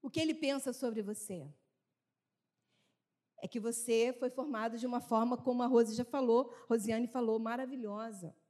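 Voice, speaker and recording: High-voiced woman preaching to women. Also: normal speed, darkish tone. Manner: earnest storytelling, acts out family dialogue. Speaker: women's ministry speaker. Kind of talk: sermon testimony.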